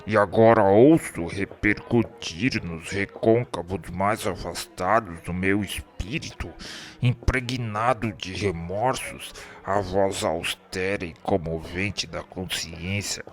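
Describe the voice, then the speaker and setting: A man with a Brazilian accent playing a tormented spirit confessing a murder, in a grave, declamatory radio drama style. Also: low voice.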